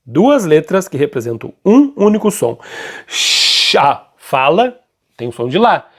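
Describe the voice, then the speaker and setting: A man teaching a grammar lesson, keeps checking in with his students and slows down to stress key points. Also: fairly high pitch, big pitch swings, fairly bright tone. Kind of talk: classroom-style grammar lesson.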